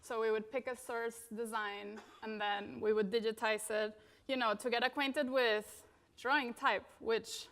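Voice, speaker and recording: A woman's voice: a little high, fairly even intonation, unhurried, fairly bright tone. A woman in her thirties from Venezuela giving a casual conference talk about her design career, with many fillers. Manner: casual, many fillers, frequent "you know" and "like".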